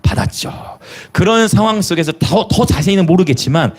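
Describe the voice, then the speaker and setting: Preacher guy, highish voice that jumps around a lot, tosses questions at the crowd. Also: moderate pace. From Jeolla, South Korea. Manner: lively preaching with rhetorical questions and hallelujahs; chuckles between remarks. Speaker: pastor. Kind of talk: sermon.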